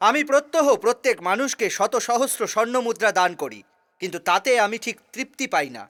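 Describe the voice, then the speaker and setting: A man's voice: extremely high pitch, very animated, fast, fairly bright tone, full character voice. A man voicing a noble, generous fairy-tale king in a children's cartoon, with formal, declamatory delivery. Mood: lofty, earnest. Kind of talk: Bengali children's cartoon acting.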